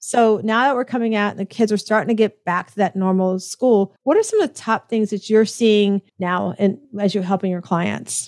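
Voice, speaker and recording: A normal speaking voice from a woman, medium-pitched with fairly even intonation, moderate in pace with hardly any pauses, dry and close with no echo, on a very clean recording with a silent background. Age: 50s. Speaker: podcast host. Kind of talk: casual interview.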